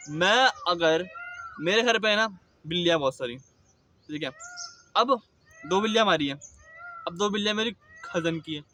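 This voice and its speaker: A man's voice: sits high, pushed and bright, a little hiss or hum. A man giving earnest life advice in a casual motivational talk, explaining patiently and dropping in English words.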